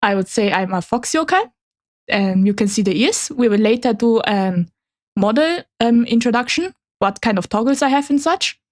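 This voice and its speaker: A new VTuber streamer from Germany, whose first language is Chinese, presents slides in a casual, slightly awkward chat. Her voice sits on the high side with lively intonation at normal speed, and she comes across as hesitant and apologetic.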